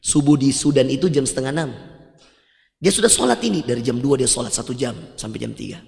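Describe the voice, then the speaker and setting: A man's voice: mid-range voice, quick pace, creaky, darkish tone. A man with a Makassar Indonesian accent giving a mosque sermon, telling stories with humor and quoting Arabic. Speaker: preacher. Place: large mosque hall. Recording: long mosque reverb.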